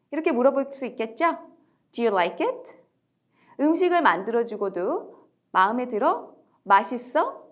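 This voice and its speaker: A woman teaching a language lesson in a slow, deliberate way, her voice rising and falling a lot. She sits a little higher than most women and stretches out the English phrases she models.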